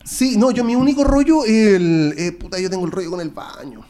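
A young man with a Chilean accent, chatting as a podcast co-host and telling stories in a lively, slangy way. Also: sits high, brisk. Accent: Chilean Spanish. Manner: animated storyteller, slangy, jumps into mock English voices. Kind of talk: casual chat.

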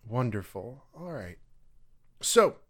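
A man's voice: mid-range voice, slow, breathy edge. Late-twenties man from Texas, podcast co-host, easygoing, rambling delivery with fillers. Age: 20s. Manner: relaxed, rambling, with fillers and light laughs. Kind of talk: casual podcast chat.

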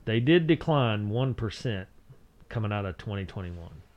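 A man's voice: lowish voice, expressive, normal speed, muffled recording. A man co-hosting a podcast with casual banter, sarcastic and mock-exasperated in manner. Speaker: podcast co-host.

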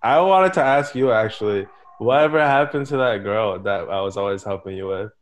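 A man's voice: on the low side, brisk. A young man in his early twenties, speaking as a guest in a casual chat with a hesitant manner. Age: 20s. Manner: hesitant, with many ums and soft trailing-off phrases.

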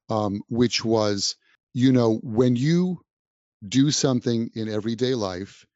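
A man's voice: mid-range voice, a little mellow, no echo. Encouraging man, dull dry recording. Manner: encouraging, speaks directly to the listener. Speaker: English teacher giving advice. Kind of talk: conversational podcast advice. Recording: dull, dry, slightly lo-fi sound.

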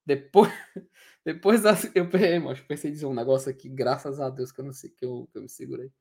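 A man's voice: mid-range voice, fairly even intonation, a little fast, gravelly, darkish tone, slightly rough. A man co-hosting a casual chat, tired and joking in teasing banter. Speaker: podcast co-host.

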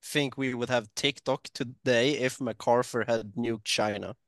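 Give me a slow, giggly man on a podcast. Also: mid-range voice, fairly even intonation, a bit bright, no echo, studio quality. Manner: joking, giggly. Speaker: podcast guest. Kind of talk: casual podcast chat.

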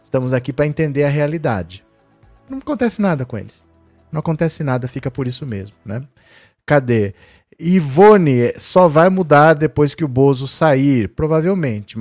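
A man's voice: fairly high pitch, expressive, moderate pace, a little mellow, dry recording, faint music behind. Indignant man hosting a live stream. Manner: indignant, talks straight to viewers. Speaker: live-stream political commentator. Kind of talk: casual live-stream commentary.

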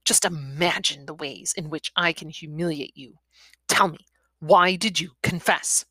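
A woman's voice: low voice, measured pace, pushed and bright, breathy edge, dry recording, exaggerated voice. A woman voicing a foul-mouthed, confrontational young female bully in her twenties from a novel, growling and accusing. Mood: furious, menacing.

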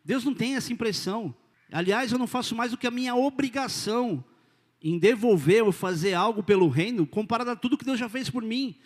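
High-voiced Brazilian pastor in a reverberant hall. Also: male voice, fairly quick. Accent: Brazilian Portuguese. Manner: informal, direct, addresses listeners as "cara" and "querido"; animated, swings between loud and quiet. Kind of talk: sermon.

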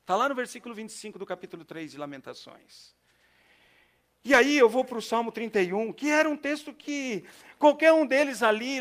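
A middle-aged man with a Brazilian Portuguese accent, preaching a sermon as a pastor and telling stories, swinging between loud and hushed. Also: extremely high pitch. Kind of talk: storytelling sermon.

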